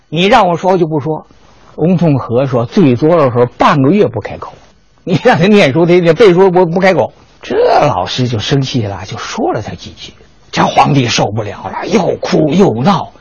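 A man telling history in a lively, colloquial lecture with dramatic asides. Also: medium pitch, husky, no room sound. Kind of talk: storytelling lecture.

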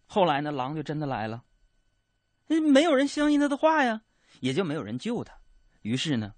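A man's voice: fairly high pitch, wildly swooping pitch, fairly quick, dry recording. A male radio host, telling jokes in a comic monologue from a studio and laughing at his own punchlines.

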